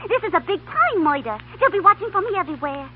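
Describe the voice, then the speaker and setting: A woman's voice: extremely high pitch, big pitch swings, fast, narrow, tinny audio. An actress playing a brassy, street-smart young American chorus girl, brash and slangy, in a 1930s radio comedy. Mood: worried. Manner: brash, slangy, plain-spoken. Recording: thin, noisy 1930s radio broadcast.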